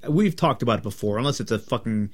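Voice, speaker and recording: A young man with a plain, mid-pitched voice, co-hosting a podcast while he is sick. He talks bluntly and crudely and teases his friend in loose, casual chat. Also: expressive, fast. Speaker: podcast co-host.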